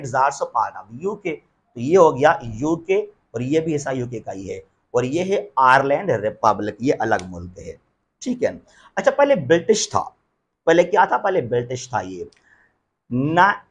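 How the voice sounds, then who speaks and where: A man lectures on geography in front of a map, his voice sitting fairly high. He keeps asking rhetorical questions and answering them himself. He slows right down to spell out the English terms. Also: a bit bright. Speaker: teacher.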